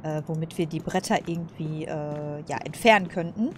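A woman's voice: low-pitched, normal speed, noisy background. A woman doing casual let's play commentary, colloquial and hesitant as she thinks aloud.

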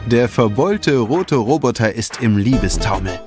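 A man's voice: medium pitch, expressive, unhurried. A man narrating a children's audio story in a dramatic, scripted storytelling style. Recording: loud background music.

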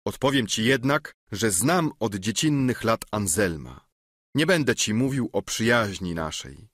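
A young nobleman pleads his case in an earnest, lowish voice with lively rises and falls, as a man reading the audiobook voices him. The sound is dry and close. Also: measured pace, dry recording. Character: young nobleman, smooth-talking lover.

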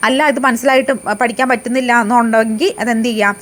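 A woman leads an exam prep lesson in a fairly high voice. She poses each question and answers it herself, repeating the key facts. Her delivery has frequent hesitations and restarts. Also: fairly even intonation, fast talker. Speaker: exam coaching teacher.

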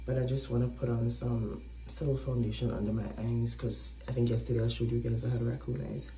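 A woman's voice: very deep voice, little pitch movement, brisk, mellow, echoey room, poor audio. A woman in her thirties chatting casually to a close phone camera while doing her makeup, her voice a little throaty. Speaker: vlogger. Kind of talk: casual vlog chat to camera. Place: small indoor room, by a window.

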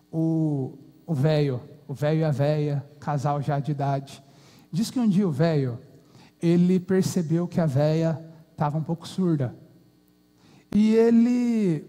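Folksy Brazilian pastor in reverberant church. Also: male voice, fairly high pitch, warm tone. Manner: folksy, colloquial storyteller. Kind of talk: sermon with storytelling. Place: church hall. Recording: long hall reverb.

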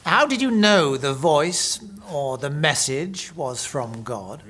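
A man's voice: on the high side, animated, takes it slowly. A sceptical archbishop of a royal court in an audio drama. He speaks formally and probes with pointed, doubting questions.

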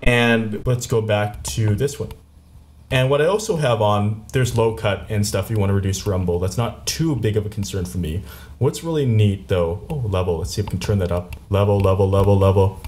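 A man's voice: on the low side, moderate pace, darkish tone. A man hosting a casual home tech tutorial, talking playfully while fiddling with a handheld recorder at his desk. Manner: chatty, playful, talks while fiddling with gear. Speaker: tutorial host. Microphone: handheld portable recorder.

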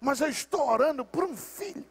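A man voicing a grieving barren woman who prays in bitterness, speaking low and softly within a sermon. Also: expressive, brisk. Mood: pleading.

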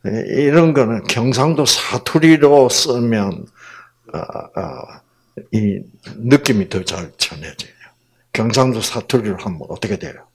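A man delivers a Bible lecture at an unhurried pace, turning again and again to his listeners with rhetorical questions. His pitch swings widely as he acts out quoted lines in sudden loud bursts. His voice is slightly husky. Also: expressive. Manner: peppers talk with rhetorical questions to the audience.

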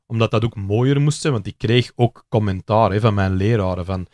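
A man's voice: lowish voice, steady tone, a little mellow, dry recording. Chatty Flemish man, dry sound. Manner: talkative, rambling explanations with quick asides. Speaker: podcast host. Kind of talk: casual podcast conversation.

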